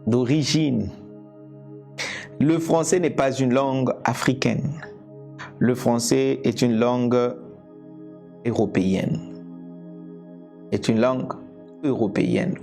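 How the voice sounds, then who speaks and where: A man from Congo whose first language is Lingala, preaching a teaching sermon in a slow, deliberate way, repeating and restarting phrases. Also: medium pitch, a little mellow. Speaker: evangelist preacher. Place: indoors, seated.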